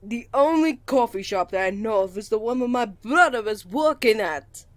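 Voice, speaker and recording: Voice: medium pitch, expressive, normal speed, no room sound, natural voice. Actor doing a shy college guy with a crush, stammers a lot, sweet n polite, asmr roleplay, really dry recording. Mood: apologetic, helpful. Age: young adult.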